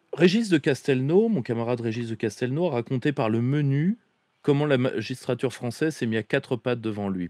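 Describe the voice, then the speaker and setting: The pace is moderate. A man delivers his words with lively intonation. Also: very clean recording, silent background. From France, Auvergne. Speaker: political commentator. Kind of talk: political commentary monologue. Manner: casual, halting with many fillers.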